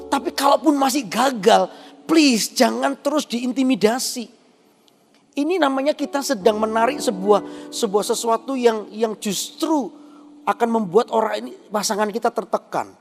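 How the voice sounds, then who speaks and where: Animated preacher, high voice. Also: male voice, creaky, long reverb tail. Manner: humorous, animated storytelling with asides. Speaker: pastor. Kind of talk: sermon.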